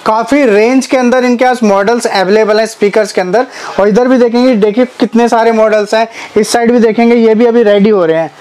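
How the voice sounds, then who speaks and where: A man hosting a product tour, eager and quick to agree, presenting goods to viewers. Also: sits high, fairly even intonation, darkish tone. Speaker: video host.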